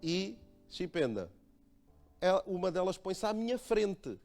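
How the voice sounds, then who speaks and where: A male pastor with a European Portuguese accent, giving a conversational sermon built around a personal story. He tells it in a lively way, laughs at himself and acts out the dialogue. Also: sits high, measured pace, soft background music. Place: church.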